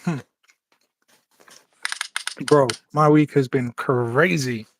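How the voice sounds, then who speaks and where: A man's voice: medium pitch, extremely slow, noisy background. A man hosting a casual podcast in an upbeat, easygoing way. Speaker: podcast host. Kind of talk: casual chat.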